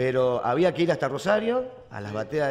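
A man with a fairly high-pitched voice. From Argentina. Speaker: former nightclub DJ; guest, former DJ. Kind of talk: casual chat. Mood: nostalgic, warm storytelling. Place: studio. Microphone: studio mic.

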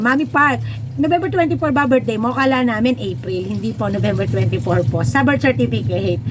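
Over noticeable background noise, a woman speaks at a fairly quick pace with very wide pitch swings. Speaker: vlogger and sari-sari store owner. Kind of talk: casual vlog talk.

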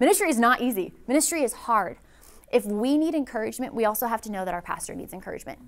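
Very fast woman's voice with lively intonation and big swings in loudness. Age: 30s. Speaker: children's pastor. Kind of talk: conference workshop talk. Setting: conference room with small live audience and microphone. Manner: relaxed, conversational.

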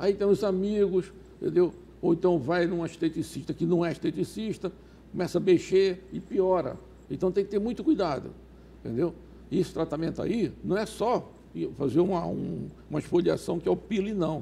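A man's high-pitched voice with a dark, mellow tone, at a moderate pace, with ordinary pitch variation and long, frequent pauses. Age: 70s. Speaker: dermatologist. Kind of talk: casual interview. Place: studio. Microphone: lapel.

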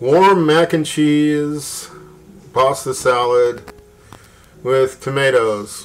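The man's pitch shows ordinary variation as he talks. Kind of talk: casual cooking tutorial. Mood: dry, self-deprecating humor. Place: kitchen.

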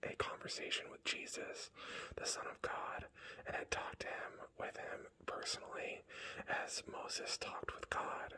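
Whispering at a moderate pace, broken by long, frequent pauses. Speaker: ASMR reader channel host. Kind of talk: reading a religious memoir aloud. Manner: whispered, soft.

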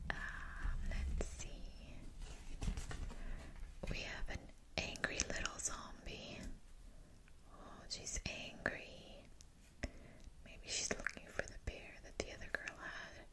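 Whispering at a very slow pace, the speaker leaves long, frequent pauses and makes big swings in loudness. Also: woman. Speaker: ASMR creator. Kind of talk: ASMR whisper video. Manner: whispered. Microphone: studio mic.

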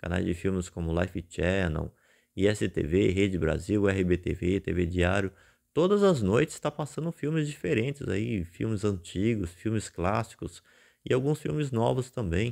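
A man speaks at a fairly slow pace in a fairly low pitch, his tone relaxed and his intonation lively, against a quiet background. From Brazil. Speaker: satellite dish YouTuber; satellite TV vlogger. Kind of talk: casual reading of viewer comments. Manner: relaxed, conversational. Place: home room. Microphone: phone near.

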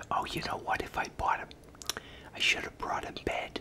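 A man whispers. His pace is moderate. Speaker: gamer, ASMR creator. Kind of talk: casual gaming commentary. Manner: whispered. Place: home room.

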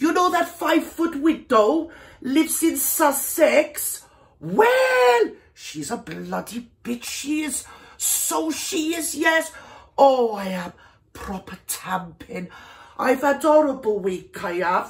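A woman puts on a character voice, pitched high. She speaks at a very slow pace. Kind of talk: comic overacting. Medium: solo performance. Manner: whiny, indignant, rambling.

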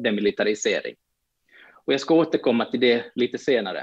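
A man with an unremarkable speaking voice talks at a medium pitch with ordinary pitch variation. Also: quiet background. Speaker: member of parliament. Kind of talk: lecture. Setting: video call with baby present. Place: home room. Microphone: video call.

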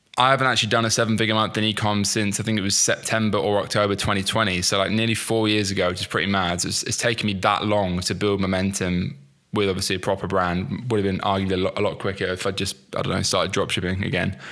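Here a man talks at a very fast pace with a British accent and hardly any pauses. His pitch is fairly low, his intonation monotone and flat, and the background quiet. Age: 20s. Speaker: e-commerce entrepreneur, vlogger. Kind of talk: casual vlog monologue. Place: home room. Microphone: studio mic.

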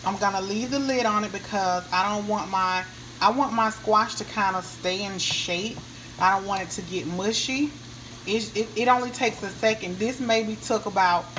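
Moderate pace with noticeable background noise. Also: woman, ordinary pitch variation. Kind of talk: casual cooking tutorial. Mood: relaxed, friendly. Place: kitchen. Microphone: phone near.

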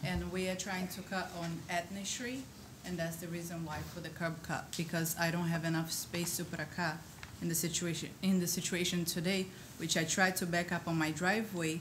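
An unremarkable speaking voice at a moderate pace, with light background noise. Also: woman. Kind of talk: public testimony to committee. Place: hall. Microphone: podium.

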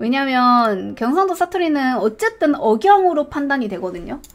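Over faint background music, a woman with a high pitch speaks at a fairly slow pace, her pitch swinging very widely. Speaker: streamer. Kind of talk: casual livestream talk while doing a quiz. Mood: playful, puzzled. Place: home room. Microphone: studio mic.

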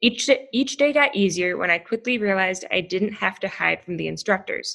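In an American accent, a woman with a medium pitch and a bright, sharp tone speaks with ordinary pitch variation. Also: quiet background. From Wisconsin. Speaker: technical college student. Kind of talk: prepared speech. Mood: earnest, emotional story. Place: classroom. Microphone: webcam.

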